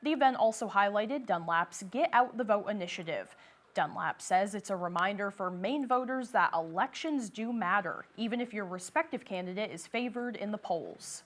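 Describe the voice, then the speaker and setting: Woman news anchor, measured scripted read, mid pitch.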